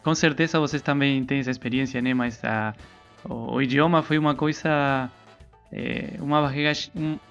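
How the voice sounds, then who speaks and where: A man's voice: mid-range voice, fairly bright tone, clean tone, lo-fi sound. An Argentine man, a native Spanish speaker with an Argentine accent, chatting casually as a podcast co-host and searching for words.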